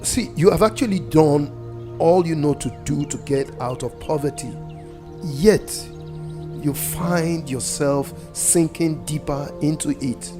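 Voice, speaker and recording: A man with a Nigerian accent playing a fervent, resolute Christian mentor in a gospel audio drama, speaking emphatically and deliberately. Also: fairly high pitch, over music. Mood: earnest, firm. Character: fervent, resolute Christian mentor, brother rallying for spiritual battle.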